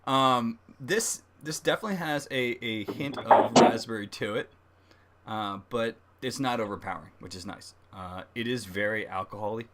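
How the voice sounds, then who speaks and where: A man hosting a casual livestream tasting review, speaking haltingly as he thinks aloud. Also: medium pitch, background noise. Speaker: host of a beer review livestream. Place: livestream, speaking beside a laptop.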